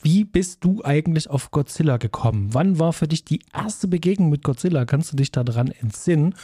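A man's voice: on the high side, lively intonation, a little fast, mellow, slightly rough, no echo, clean studio sound. A man in his forties co-hosting a casual film podcast, chatting with lots of filler sounds. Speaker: podcast co-host.

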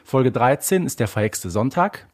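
A man's voice: medium pitch, expressive, normal speed. A man co-hosting a podcast, talking casually and emphatically in a mock-exasperated rant. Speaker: podcast co-host. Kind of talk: casual discussion of an audio drama series.

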